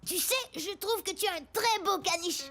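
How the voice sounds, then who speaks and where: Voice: very high voice, normal speed. An actor voicing a cheerful, chatty little boy playing games in a cartoon. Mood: friendly. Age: child character. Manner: chatty, game-playing, childlike. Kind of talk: cartoon dub dialogue.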